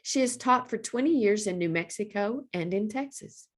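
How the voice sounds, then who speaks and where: A woman reading aloud for young children as a librarian, with deliberate, expressive phrasing. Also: mid-range voice.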